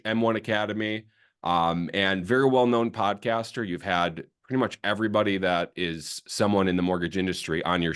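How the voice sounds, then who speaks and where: A man's voice: low-pitched, a bit bright, smooth. A man hosting a podcast interview, talking loosely and chattily. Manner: loose and chatty, says "dude". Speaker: podcast host. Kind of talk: casual interview chat.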